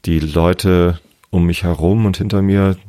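Very deep-voiced hoarse man, hesitant. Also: fairly even intonation, unhurried, warm tone, no room sound, clean studio sound. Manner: hesitant, many fillers and restarts. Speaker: football fan guest. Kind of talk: casual conversation.

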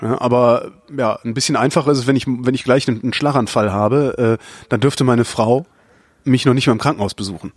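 A man's voice: medium pitch, steady tone, a little fast, no room sound, clean studio sound. A man hosting a podcast, chatting casually and bluntly, reading out listener questions. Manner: blunt, swears casually, reads listener mail aloud. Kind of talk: casual chat.

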